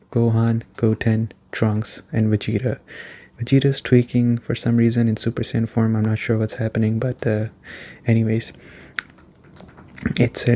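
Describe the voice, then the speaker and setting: A man giving a soft-spoken, casual ASMR-style video game review in a conversational way. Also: mid-range voice, a little hiss or hum.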